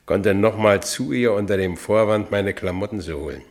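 Man acting as brooding Berlin ex-convict, very deep voice, working-class, colloquial, bitter, radio drama monologue. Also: moderate pace, natural voice. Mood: wry, brooding. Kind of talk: first-person radio play narration.

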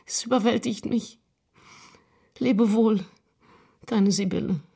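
A nineteenth-century woman overwhelmed by grief for her beloved. She reads her letter very slowly, mid-pitched, as dramatic and despairing mourning. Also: gravelly, mellow, breathy edge, full character voice.

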